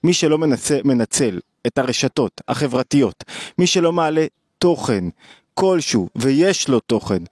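A man's voice: mid-range voice, animated, darkish tone, dry recording, clean studio sound. A middle-aged man delivering a daily video lecture on psychology, emphatic and repeating phrases for stress.

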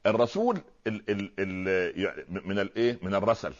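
A man with an Egyptian Arabic accent, a preacher explaining religious words in a lively talk-show conversation, often asking rhetorical questions. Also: low voice, normal speed, highs cut off. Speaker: Islamic preacher, guest scholar.

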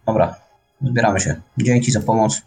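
A man casually role-playing in a tabletop game, describing his actions in a halting way. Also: fairly low pitch, fairly even intonation, creaky, darkish tone, faint music behind.

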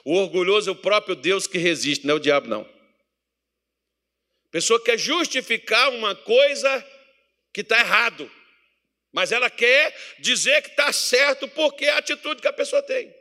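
A man with a Brazilian Portuguese accent, preaching a sermon as pastor, building to shouted emphasis. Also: high-pitched, expressive, moderate pace. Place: church meeting hall.

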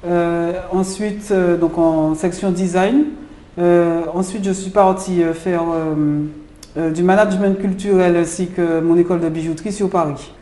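A woman's voice: on the low side, fairly even intonation, normal speed, warm tone. A woman from Martinique, a jewelry designer, answering interview questions in a hesitant way with many filler sounds. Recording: roomy echo.

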